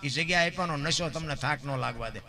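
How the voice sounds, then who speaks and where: A man with a Kathiawadi Gujarati accent telling folk tales on a live stage, mixing sung verses with stories. He swings from loud declaimed lines to low, confiding talk. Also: brisk, gravelly. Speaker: dayro storyteller. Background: musical instruments.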